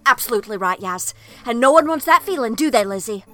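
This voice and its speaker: Woman acting quirky female time-traveller, very animated, bright high voice, playful, chatty, story reading. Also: fast talker. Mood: earnest, eager.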